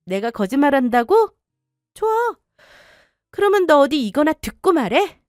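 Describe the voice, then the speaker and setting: A woman's voice: high-pitched, very animated, normal speed, dry recording, studio quality. A woman voicing a wife who coldly and sharply confronts her husband in an audio story. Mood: accusing. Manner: sharp, accusing, cold.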